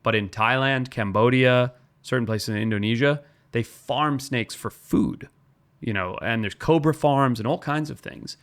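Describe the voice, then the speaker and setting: A man's voice: mid-range voice, measured pace. A man from Zimbabwe, a wildlife biologist guest, explaining and telling stories in an earnest podcast talk.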